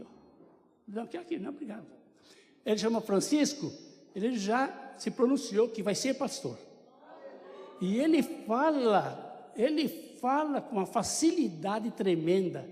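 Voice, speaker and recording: An older Brazilian man tells a church testimony in a chatty, storytelling way, breaking off for little jokes. His voice sits high and sounds mellow and soft-edged. A long church reverb trails after every phrase. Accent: Brazilian Portuguese. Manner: chatty storytelling with joking asides. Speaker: church member giving testimony. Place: church sanctuary.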